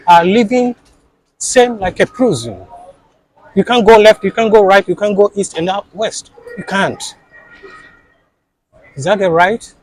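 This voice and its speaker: A man's voice: high-pitched, a little mellow, no room sound, poor audio. A man being interviewed, speaking in an impassioned, insistent way and repeating his points for emphasis.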